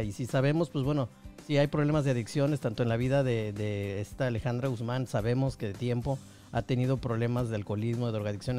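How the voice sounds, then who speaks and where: A man's voice: mid-range voice, mellow. A man commenting as an entertainment expert on a video call, hesitant with many restarts. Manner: hesitant, restarts, uses "este" and "pues".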